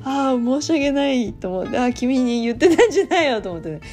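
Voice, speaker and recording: A middle-aged woman hosting a casual spoken English lesson, chatty and animated, laughing often and repeating practice phrases over and over. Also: high voice, a little fast, faint music behind. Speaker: English teacher and podcast host.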